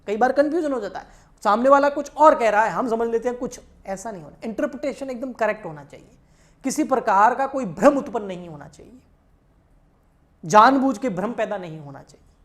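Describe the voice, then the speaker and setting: A woman's voice: a little high, expressive, fairly quick. A woman teaching an exam-prep accountancy lecture. She explains patiently, keeps checking that students follow, and addresses them in a familiar way.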